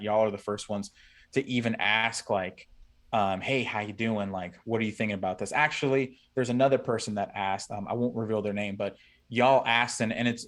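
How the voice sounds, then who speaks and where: A man in his thirties talking earnestly as a podcast guest, rambling with many restarts. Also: on the low side. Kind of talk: casual chat.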